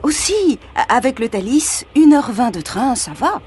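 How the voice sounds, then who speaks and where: A woman from France performing everyday scenes in a scripted dialogue for learners, speaking clearly and expressively. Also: high voice, very animated, measured pace, darkish tone, a little hiss or hum.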